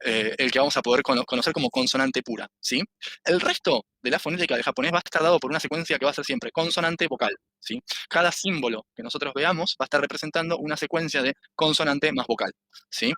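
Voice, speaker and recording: Male teacher, fast patient lecturer, keeps checking "¿sí?", crisp bright tone. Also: fairly high pitch, a little hiss or hum. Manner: constant "¿sí?" tag after nearly every phrase; explanatory, patient, repeats and restarts phrases. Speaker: Japanese language teacher. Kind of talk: online public class lecture.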